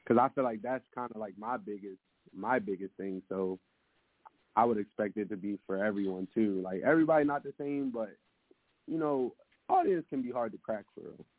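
Deep-voiced young man on a phone line. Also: moderate pace, dry recording. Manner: relaxed, hesitant, lots of fillers and restarts. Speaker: musician guest. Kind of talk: casual interview answers. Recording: dry, narrow phone-like sound.

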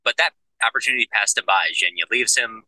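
A man co-hosting a casual book discussion podcast, explaining the story in a steady, agreeable way. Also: fairly low pitch, fast talker, no echo, rough recording. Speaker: podcast co-host discussing a novel.

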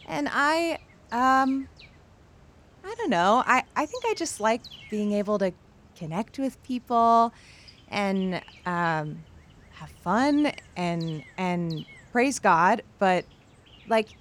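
A woman's voice: medium pitch, very animated. A woman playing a shy, sincere young church camper who talks hesitantly and naturally in an audio drama. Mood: nervous, sincere. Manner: hesitant, many pauses.

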